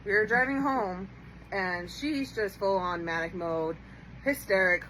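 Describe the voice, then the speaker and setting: A woman's voice: medium pitch, measured pace, fairly bright tone, slight background noise, rough recording. A woman guest telling stories in casual chat, blunt and swearing freely. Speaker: guest co-worker.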